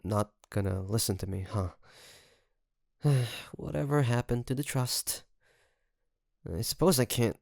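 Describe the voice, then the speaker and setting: A man playing a secretly obsessive best friend in an intimate audio roleplay, coaxing and hesitant, with sighs and pauses. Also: medium pitch, vocal fry, darkish tone, no echo, studio quality. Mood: gently nagging.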